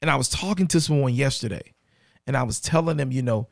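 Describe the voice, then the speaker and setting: A man with a raspy voice and a dry throat, hosting a podcast and speaking earnestly and directly to the listener. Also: medium pitch, quick pace, no echo. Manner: earnest, repeats key phrases, addresses listener directly. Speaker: podcast host. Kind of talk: motivational podcast monologue.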